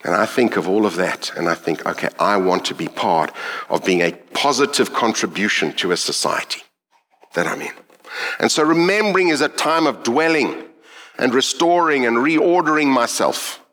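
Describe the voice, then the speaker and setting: A middle-aged man from South Africa with a South African accent, preaching a sermon in an earnest, reflective way with thoughtful pauses. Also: medium pitch, expressive, a bit bright.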